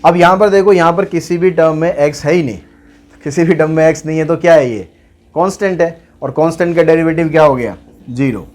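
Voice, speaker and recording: A man's voice: on the high side, brisk, a little mellow. Man explaining maths steps. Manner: explains steps aloud, asks and answers his own questions. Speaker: maths teacher. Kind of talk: online maths lesson.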